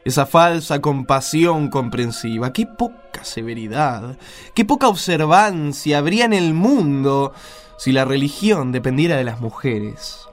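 Man acting pompous pious husband, highish voice, swooping intonation, scornful, radio play, faint music. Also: animated, a little slow. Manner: pompous, preachy, condescending.

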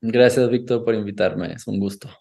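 A man with an Italian accent, a native Italian speaker, talking reflectively as an interview guest, measured and thoughtful. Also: lowish voice, fairly even intonation, gravelly, warm tone. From Italy. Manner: measured and thoughtful, often ending with a questioning "no?". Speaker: guest, somatic therapist.

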